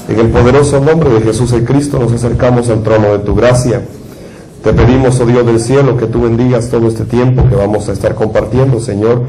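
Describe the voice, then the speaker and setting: A man's voice: mid-range voice, mellow, a little hiss or hum, poor audio. A man from Guatemala, a preacher giving a sermon and leading a prayer with a repetitive, fervent cadence.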